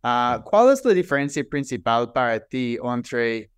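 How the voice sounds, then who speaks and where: Upbeat guy hosting a sales podcast, smooth clear voice, super dry close mic. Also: mid-range voice, unhurried, dry recording. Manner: energetic, asks long questions with fillers. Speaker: podcast host, sales expert.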